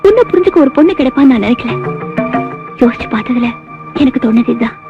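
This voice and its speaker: An actress playing a steady, earnest young village woman who speaks firmly and reassuringly, in a dull film recording with music behind. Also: high-pitched, fast. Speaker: heroine. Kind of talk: 1990s film dialogue.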